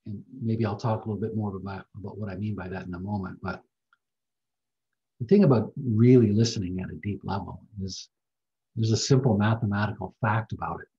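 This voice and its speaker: An older man giving a reflective talk on a video call, speaking softly and gently. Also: lowish voice, lo-fi sound. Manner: soft-spoken, slow and gentle. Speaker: guest speaker.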